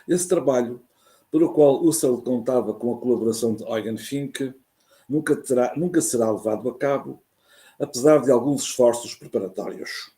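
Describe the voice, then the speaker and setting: Mellow-voiced Portuguese professor, formal and measured. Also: male voice, medium pitch. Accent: European Portuguese. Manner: measured, careful, formal delivery with hesitations when speaking off text. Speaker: university professor, guest lecturer. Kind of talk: academic lecture read from a prepared text. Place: remote talk over video call. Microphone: video call.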